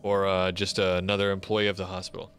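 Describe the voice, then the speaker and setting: A man's voice: sits low, monotone, quick pace, fairly bright tone, a little hiss or hum. A man chatting casually as he plays a tabletop role-playing board game.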